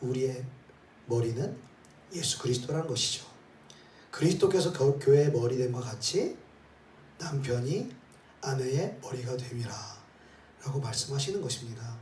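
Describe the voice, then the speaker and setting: A pastor with a medium-pitched, slightly mellow voice preaches at a moderate pace with lively intonation and long pauses, leading his congregation in reading scripture aloud and sprinkling in rhetorical questions and "eh?" tags. Heard from some distance in a roomy sanctuary, the recording carries faint ambience and a little hiss or hum.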